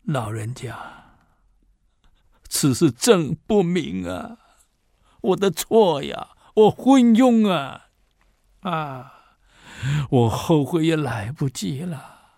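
Remorseful emperor in tears, slow and broken, acted by a man. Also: a little high, dry recording, studio quality. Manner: weeping, soft, drawn-out lament. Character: remorseful emperor, tearful and humbled.

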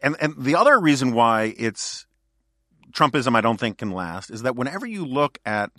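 A man's voice: mid-range voice, very animated, normal speed, a bit bright, dry recording, studio quality. A male podcast host in casual political chat, talking in a wry, joking, digressive way.

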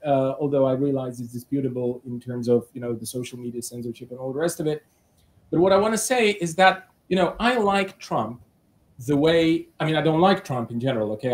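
Male interviewer from Bulgaria, slightly high voice, halting delivery full of fillers. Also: a little mellow. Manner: hesitant, many fillers and restarts. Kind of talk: online interview question.

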